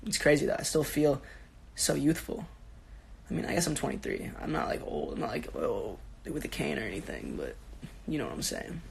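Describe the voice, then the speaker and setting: A young man in his twenties with a raspy, sick-sounding voice, chatting casually and answering fans on a phone livestream from his bedroom. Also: medium pitch, wildly swooping pitch, brisk, a little hiss or hum. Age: 20s. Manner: laid-back, rambling, slangy, answering fans. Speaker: social media personality on a livestream. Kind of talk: casual livestream chat reading comments. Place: bedroom at home.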